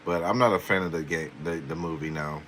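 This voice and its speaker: A man's voice: deep voice, fairly quick, noisy background. A man hosting a casual live stream as a tarot reader, playfully answering viewer questions with frequent chuckles.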